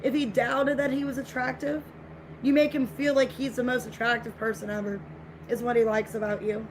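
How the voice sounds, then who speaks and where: A woman's voice: fairly high pitch, level tone, fairly quick. A woman giving a casual tarot reading to viewers, speaking in a repetitive, reassuring way, with her voice getting scratchy. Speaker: tarot reader.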